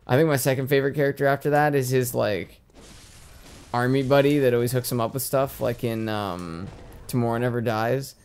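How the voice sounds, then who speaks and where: A man's voice: mid-range voice, steady tone, brisk, a little mellow, clean tone. A man chatting and joking beside a friend who plays a game, drifting into trivia tangents. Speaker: co-host. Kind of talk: casual let's-play banter.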